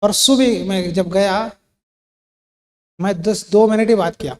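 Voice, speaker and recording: A man preaching a sermon as pastor, emphatic, with sudden swings from loud to quiet and English words mixed in. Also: sits high, slow. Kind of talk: Hindi sermon.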